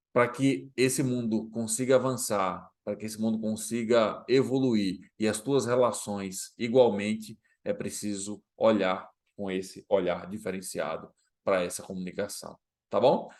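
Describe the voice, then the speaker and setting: A man giving an animated motivational lesson, turning to viewers often with quick check-in questions. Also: on the low side. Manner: animated, speaks to viewers directly with tag questions. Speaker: coach. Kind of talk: motivational talk to camera.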